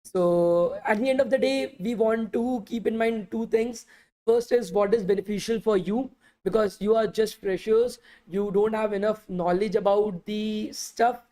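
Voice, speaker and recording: A woman teaching a live online coding bootcamp, talking conversationally with frequent filler pauses and reading out student questions. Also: mid-range voice, dark tone. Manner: conversational, many filler pauses, repeats invitations to ask. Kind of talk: live online class, answering chat questions.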